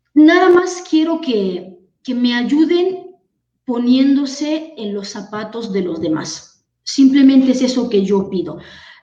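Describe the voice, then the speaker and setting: A woman speaks in an Italian accent at a high pitch. Her pace is very slow and her pitch swings very widely. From Italy, Tuscany (Massa). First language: Italian (speaking Spanish). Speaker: author. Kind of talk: panel talk at book fair, livestream. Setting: virtual livestream.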